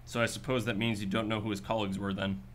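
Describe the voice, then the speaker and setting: A man's voice: lowish voice, level tone, quick pace, fairly bright tone, a little hiss or hum, lightly acted. A man playing a skeptical, businesslike detective in a radio drama, asking clipped, matter-of-fact questions. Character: hard-boiled male detective, probing, skeptical, businesslike.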